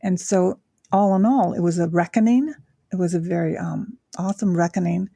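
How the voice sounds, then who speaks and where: Low gravelly older woman, reflective. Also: warm tone, no echo, clean studio sound. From Japan. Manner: reflective, with frequent pauses and fillers. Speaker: guest. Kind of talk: casual interview chat.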